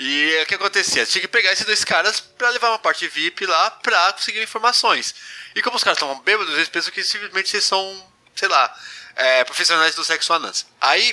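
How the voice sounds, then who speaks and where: The man's voice is high for a man, moving at a fairly quick pace with ordinary pitch variation. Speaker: podcast co-host. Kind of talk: casual chat.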